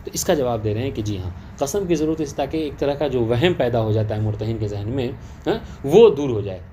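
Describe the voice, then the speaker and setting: Expressive and warm, this man's mid-range voice carries a lesson on religious law. He explains a text to the students in front of him, frequently checking their understanding with rhetorical questions, over a faint hiss or hum.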